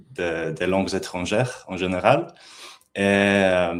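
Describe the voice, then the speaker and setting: With a Polish accent, a man speaks in a very deep, low pitch on a very clean recording with a silent background. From Poland. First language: Polish (speaking French). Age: 30s. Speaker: language learner. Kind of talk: interview. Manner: hesitant, many fillers.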